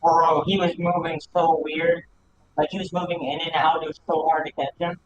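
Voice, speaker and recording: A man's voice: a little high, level tone, background noise. A man talking casually and slangily after his boxing match over a muffled headset mic that sounds underwater. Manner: laid-back, slangy, talks of himself with quick repeats. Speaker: boxer interviewed after his fight. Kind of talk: casual post-fight chat. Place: at home on his PC. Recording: muffled lo-fi voice chat mic with room echo.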